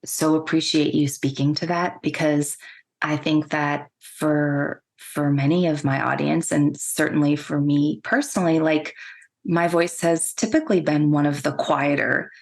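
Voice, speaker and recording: Quiet lady podcast host, really soft voice, slow with pauses, low and a bit croaky. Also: steady tone. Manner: slow, pausing between thoughts. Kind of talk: casual interview chat.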